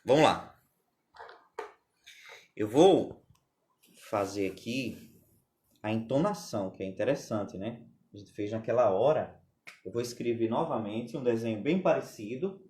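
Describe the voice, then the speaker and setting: A male music teacher leads a live-stream lesson in a lowish, somewhat dark voice at normal speed. He's patient, explains things step by step, and quizzes the chat with questions for viewers.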